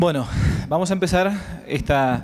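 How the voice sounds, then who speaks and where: A man is talking. Ordinary variation marks his pitch. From Argentina. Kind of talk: informal lecture. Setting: conference talk with audience and slides.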